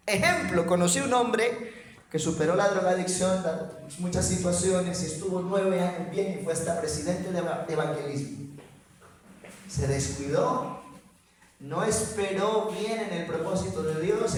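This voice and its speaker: Fervent Colombian male preacher with a high, raised voice, recorded in an echoey church hall; swings from quiet to shouting. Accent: Colombian Spanish. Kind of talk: sermon.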